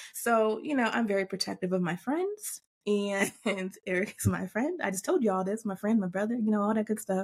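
A woman talks at a fairly quick pace with ordinary pitch variation. Her voice is somewhat breathy. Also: medium pitch for a woman, hardly any pauses. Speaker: podcast host. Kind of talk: casual interview. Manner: giggly.

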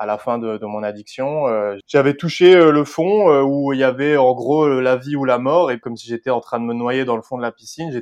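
Recorded dry and close with no echo over a quiet background, a man speaks at a moderate pace and medium pitch. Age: 30s. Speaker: former cocaine addict sharing his story. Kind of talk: testimony. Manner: halting, many fillers.

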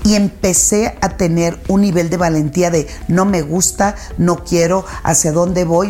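A woman with a Sinaloan accent speaks at a fairly low pitch. Her pace is fairly slow, with noticeable background noise behind her. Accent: northern Mexican (Sinaloa) Spanish. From Mexico, Sinaloa (Culiacán). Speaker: sexologist. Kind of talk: casual interview.

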